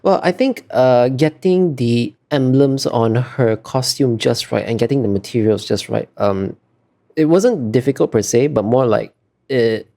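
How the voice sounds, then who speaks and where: Guy getting interviewed about his work, soft mellow tone w some creak, kinda halting and earnest. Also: mid-range voice. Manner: hesitant, searching for words, earnest. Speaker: illustrator being interviewed. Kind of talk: thoughtful interview answers.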